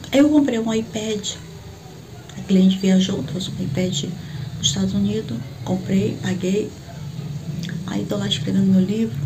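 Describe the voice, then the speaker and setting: A middle-aged woman with a Brazilian Portuguese accent, a church prophet giving a personal testimony and acting out the dialogue as she tells it. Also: background noise. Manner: animated, acts out the dialogue with sharp jumps in pitch.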